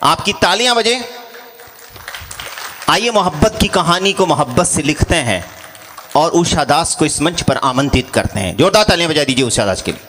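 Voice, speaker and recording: A man's voice: on the high side, sing-song, normal speed, fairly bright tone, slight background noise. A man emceeing a live poetry gathering on an outdoor stage, trading teasing banter and reciting couplets into a stage mic. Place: outdoor stage before a crowd. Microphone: stage microphone.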